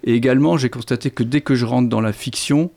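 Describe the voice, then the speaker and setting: Middle-aged male author, gravelly, hesitant, restarts often; grew up speaking Lorraine Franconian. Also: medium pitch, fast, warm tone. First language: Lorraine Franconian (Platt). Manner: hesitant, many restarts and fillers. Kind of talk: literary interview.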